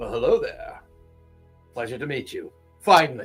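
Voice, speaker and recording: A man's put-on character voice at a moderate pace, with faint music in the background. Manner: warm, welcoming.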